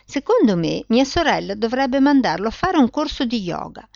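A woman's voice: a little high, sing-song, moderate pace, vocal fry, darkish tone, no room sound, dull audio, pitched above the performer's own voice, exaggerated voice. A woman reading aloud, voicing a bald, red-faced middle-aged man who grumbles with indignation. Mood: indignant.

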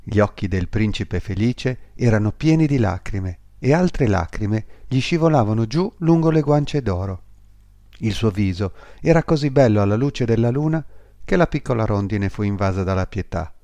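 A man reading a fairy tale aloud as narrator, measured storytelling. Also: on the low side, lively intonation, mellow, dry recording.

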